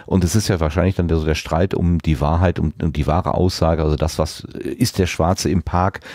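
A man's voice: low-pitched, fairly even intonation, fairly quick, darkish tone, no echo. A man hosting a conversational podcast interview, asking long questions that he rephrases as he goes. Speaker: podcast host interviewing a guest.

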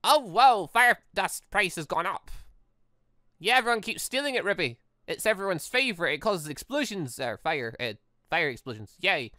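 Bright, animated gaming host. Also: mid-range voice, moderate pace, dry recording, clean studio sound. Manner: exclamatory, playful asides. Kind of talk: let's-play commentary, reading visual novel dialogue aloud.

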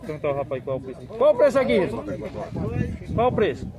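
Man, vlogger at a cattle market, slightly high voice, busy crowd behind, casual calls to viewers. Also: very animated, fast. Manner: chatty, calls out prices and greetings to viewers. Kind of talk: casual walk-around commentary. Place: outdoor cattle pens at a market. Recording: outdoor market crowd noise.

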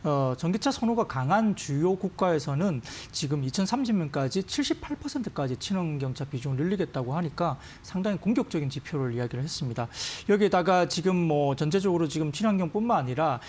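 A man in his thirties, a stock market analyst giving rapid commentary in a TV studio, with many fillers. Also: on the high side, lively intonation, darkish tone, slight background noise. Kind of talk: market commentary on TV finance show. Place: TV news studio.

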